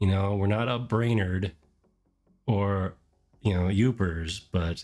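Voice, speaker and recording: The pace is very slow, with ordinary pitch variation. A slight Midwestern accent comes through. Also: man. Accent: slight Midwest, more city than rural. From US Midwest, rural. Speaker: VTuber streamer. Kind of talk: casual live-stream chat. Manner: rambling with fillers and self-corrections.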